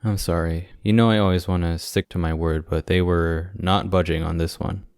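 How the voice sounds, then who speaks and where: Guy playing a sweet jokey boyfriend, asmr roleplay, really low voice, close dry sound. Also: fairly even intonation, moderate pace, clear, resonant tone, no room sound. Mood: joking, teasing. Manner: teasing, sweet, gently joking. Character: affectionate, playful young boyfriend visiting hospitalised partner. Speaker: audio roleplay voice actor.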